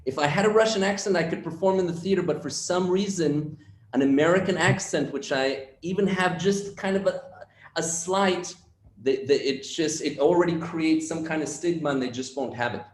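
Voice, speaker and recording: A man with a Brooklyn Jewish accent, speaking as an interview guest in a reflective, measured, self-deprecating way. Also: on the high side. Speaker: actor and guest. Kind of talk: conversational interview. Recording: roomy echo.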